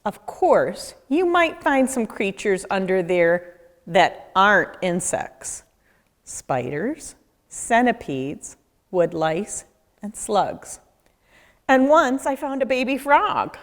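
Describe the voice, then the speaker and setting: A woman reading a children's book aloud, expressively and deliberately, as a nature educator speaking to young listeners. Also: mid-range voice, big pitch swings. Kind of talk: children's read-aloud narration. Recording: echoey, reverberant room.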